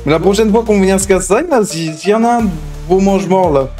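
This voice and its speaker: A man's voice: high-pitched, quick pace, warm tone, soft background music. A man improvising a hot-headed gang brawler in a gaming roleplay, confrontational and full of swearing. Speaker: GTA roleplay gamer and streamer.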